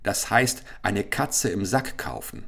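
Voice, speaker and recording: Ein eifriger junger Kalif als Storch, von einem Mann gesprochen. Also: male voice, lowish voice, very animated, slow pace, vocal fry, a bit bright, husky, full character voice. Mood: eager. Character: young caliph turned stork, eager, anxious.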